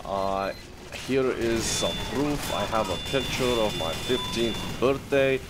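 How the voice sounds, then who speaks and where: A man's voice: mid-range voice, slow pace, natural voice. A man voicing a boastful Russian heavy gunner in broken English with a Russian accent, giving comic commentary on a video game. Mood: proud, boastful. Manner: broken English, mock-serious bragging. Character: boastful, vodka-loving Russian heavy gunner, big sneaky ninja. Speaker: gameplay commentator. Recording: noisy game sound behind voice. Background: video game combat noise.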